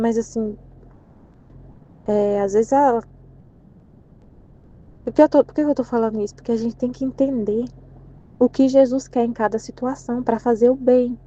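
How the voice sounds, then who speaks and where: A woman's voice: fairly high pitch, darkish tone, lo-fi sound. A woman sharing a casual religious reflection in a conversational way, restarting her sentences and acting out quoted speech. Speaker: catholic channel presenter.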